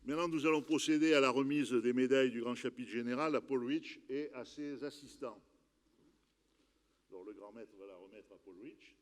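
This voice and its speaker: Male ceremony host, medium pitch, formal address and award presentation, big echoing hall. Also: moderate pace. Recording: echoing hall, long reverb.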